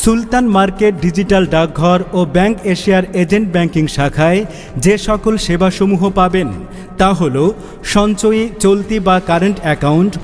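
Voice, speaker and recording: A man reading a street loudspeaker advertisement in a loud, declamatory announcing manner. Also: sits high, normal speed. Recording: long reverb with music bed. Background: music.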